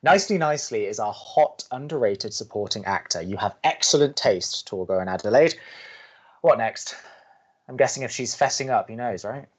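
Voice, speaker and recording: A man's voice: mid-range voice, animated, moderate pace, breathy edge, rough recording. A man playing a sardonic, awkwardly romantic young college radio co-host with a dry manner, in a scripted audio drama. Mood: teasing.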